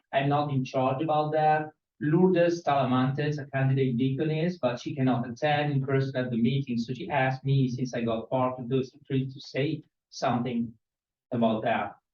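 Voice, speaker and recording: Speech moves at a moderate pace. Its intonation is fairly even. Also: man, medium pitch for a man. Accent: Italian. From Italy. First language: Italian. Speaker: priest. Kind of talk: workshop presentation.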